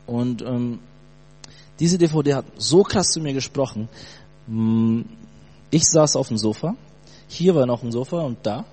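A man in his late twenties from Brazil, telling his personal faith story in a casual, animated way with youth slang. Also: medium pitch, measured pace, pauses often, breathy edge. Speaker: church testimony speaker. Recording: long hall reverb with mains hum.

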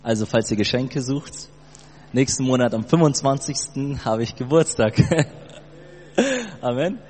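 A man's voice: mid-range voice, animated, darkish tone. Earnest young man preaching in a hall. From Brazil. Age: 20s. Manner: earnest, fervent, halting with many fillers. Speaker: church speaker giving testimony. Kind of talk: sermon testimony. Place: church hall. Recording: long hall reverb, mains hum.

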